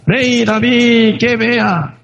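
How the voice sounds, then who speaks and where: A man's voice: extremely high pitch, very slow, gravelly, a bit bright, dull audio, voice pushed up, full character voice. A man voicing a young male warrior who pleads his loyalty to a king, in an earnest, raised voice. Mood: pleading.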